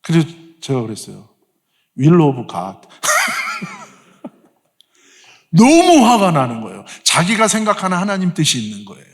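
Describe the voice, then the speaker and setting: Animated male pastor in echoing hall. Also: high voice, moderate pace, pauses often. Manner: animated, leads congregation in call and response. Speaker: guest pastor. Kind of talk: sermon. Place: church sanctuary. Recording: long church hall reverb.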